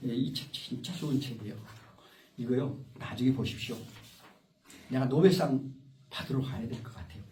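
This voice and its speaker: A man's voice: medium pitch, warm tone, a little hiss or hum. A man giving an informal, rambling lecture to a small group, often interrupted by the audience. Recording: echoey room, far from the mic.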